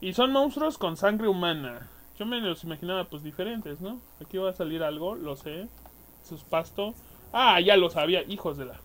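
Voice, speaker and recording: Excitable Mexican gamer man. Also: high-pitched, moderate pace. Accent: Mexican Spanish. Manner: excitable, swears a lot, yells at enemies. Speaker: gaming youtuber. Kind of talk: gameplay commentary.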